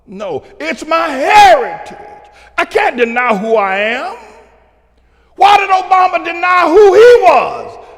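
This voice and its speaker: An older pastor from North Carolina with a Southern accent preaches commentary to a broadcast audience, his voice slow and sing-song. He drops into quiet asides, then climbs to shouted declarations, chuckling in between, all under a long hall reverb.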